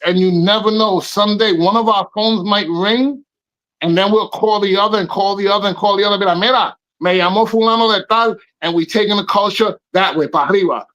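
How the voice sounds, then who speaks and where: A man's voice: high voice, brisk, a bit bright, lo-fi sound. A man in his fifties chatting on a podcast, effusive and repeating phrases for emphasis. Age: 50s. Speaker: podcast guest DJ. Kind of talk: casual podcast chat.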